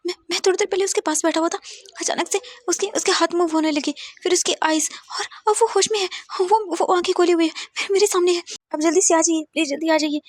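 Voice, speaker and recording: A woman's voice: extremely high pitch, steady tone, quick pace, dry recording, voice pushed up. A woman voicing a panicked young husband calling on the phone, stammering over his words. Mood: excited panic. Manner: stammering, breathless.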